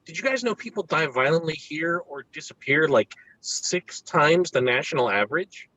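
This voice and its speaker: A man's voice: a little high, lively intonation, moderate pace, sharp tone, dry recording, lo-fi sound. A man reading an earnest, awkward, bookish new-kid boy in a screenplay table read, with hesitant, informative delivery. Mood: guarded, earnest.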